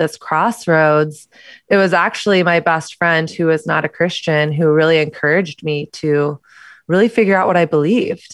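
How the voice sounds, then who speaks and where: A woman with an unremarkable speaking voice speaks in an American accent, her fairly low pitch and fairly even intonation held at a moderate pace and very even loudness, in a dry, close sound with no echo. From Texas. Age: 30s. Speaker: author and podcaster. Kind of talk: interview.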